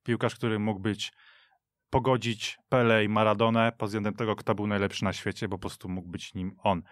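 A man's voice: on the low side, level tone, moderate pace, no room sound. A man on a radio football panel, opinionated and talkative in casual studio chat. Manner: opinionated, storytelling. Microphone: studio mic.

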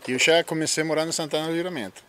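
A man's voice: fairly high pitch, fairly even intonation, rapid-fire, bright, forceful tone. A man in his forties from Uruguay with a Uruguayan Spanish accent, a guest chatting about his life in a backyard interview, laughing as he tells stories on a handheld mic. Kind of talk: casual interview talk. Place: outdoor backyard. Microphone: handheld microphone.

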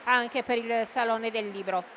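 A woman co-hosting at a book fair stand, announcing the live pictures in a bright presenting manner. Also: fairly high pitch, steady tone, a little slow, a little hiss or hum. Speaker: co-host.

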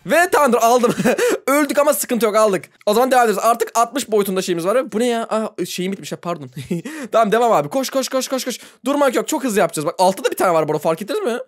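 Excitable young man narrating a game. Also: extremely high pitch, fast. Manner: excitable, laughs a lot, shrieks when surprised. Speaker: gaming YouTuber. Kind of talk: let's play commentary.

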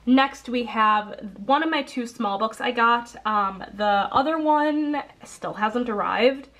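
Young woman, slightly high voice, congested, casual chatty host, ums and self-corrections. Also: takes it slowly, fairly bright tone. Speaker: coloring channel host. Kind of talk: casual haul video chat. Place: indoors at a table.

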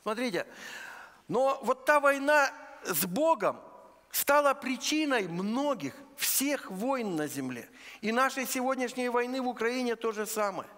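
A man from eastern Ukraine preaching a sermon in a church, earnest and deliberate, laying out his points one by one. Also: very high-pitched, lively intonation, fairly bright tone. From Luhansk region, Ukraine. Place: church sanctuary. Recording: long church hall reverb.

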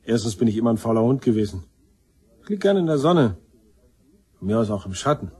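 A shiftless black-sheep brother in a crime audio drama. His medium-pitched voice is rough around the edges. He talks in loose slang and puts himself down as he confesses to police. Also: big pitch swings, fairly quick, dark tone. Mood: sheepish, rambling. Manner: colloquial, slangy, self-deprecating. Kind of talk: German crime radio drama acting.

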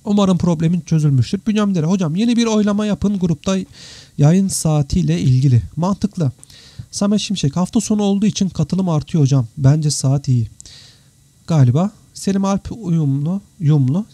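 A man hosts a casual live Q&A in a very mellow, dark voice that sits a little high for a man. He sounds tired and slightly worn, and talks to viewers as friends in a dry, close recording. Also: moderate pace, no echo. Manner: chatty, informal, addresses viewers as friends. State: tired, slightly worn voice after three hours of talking. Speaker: live stream host, 3D visualization teacher. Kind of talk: casual live Q&A, reading out and answering viewer comments. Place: indoors, computer live stream with screen share.

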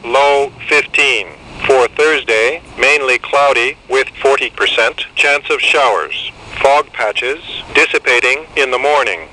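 A man's voice: medium pitch, sharp tone, low-quality recording. A synthetic man's voice reading an automated weather forecast in a segmented, pieced-together delivery through a small handheld radio speaker. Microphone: camera held near radio's speaker.

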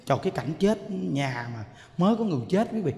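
A man giving a Buddhist sermon, telling stories in an animated way, repeating himself and addressing listeners directly. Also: high-pitched, quick pace, creaky. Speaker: Buddhist monk teacher. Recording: long reverb hall.

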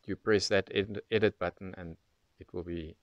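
A man's voice: low-pitched, steady tone, normal speed, muffled recording, heavy background noise. A man presenting an unscripted product demonstration, explaining things methodically, step by step. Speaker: presenter of radio tutorial.

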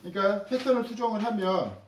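Male sewing instructor, higher voice, casual and chatty with viewers; roomy sound, mic set back. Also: very animated, fairly quick, recorded from a distance, a little hiss or hum. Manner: chatty, demonstrative, addresses viewers directly.

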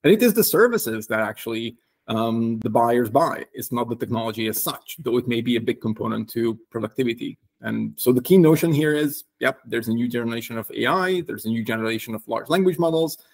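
A man in his forties, a consultant guest on a video call, explaining his views in a measured, thoughtful way. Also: medium pitch, gravelly, darkish tone. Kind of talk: interview discussion.

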